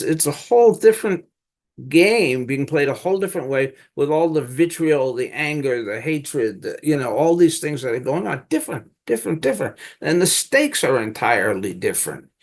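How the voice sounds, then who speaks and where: An older man, a Zen teacher, leading a dharma talk and group discussion in a halting, searching way with many restarts. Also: mid-range voice.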